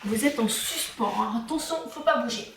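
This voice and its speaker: A woman talking casually through a haul vlog at home, chatty and halting with many fillers. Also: a little high, reverberant, background noise. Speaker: vlogger. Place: home kitchen and garage.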